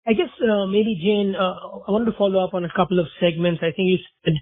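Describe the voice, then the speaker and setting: A man analyst asks his follow-up question casually and hesitantly, filling gaps with uh. His fairly high, flat voice comes through a tinny phone line. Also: fast. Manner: casual and hesitant, with many uhs. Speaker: bank analyst asking questions. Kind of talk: earnings call question.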